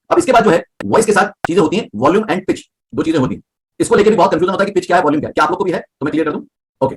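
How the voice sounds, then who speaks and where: Male voice teacher, quick and slightly high, explains with simple examples. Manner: explains with everyday examples and checks understanding. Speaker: voice coach. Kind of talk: live online class.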